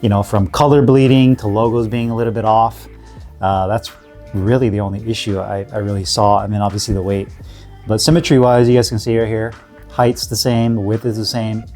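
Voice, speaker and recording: A man with a cold, sniffling a bit, reviewing gear in a relaxed, rambling way full of fillers and restarts. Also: on the low side, a little fast, soft background music. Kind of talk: casual product review.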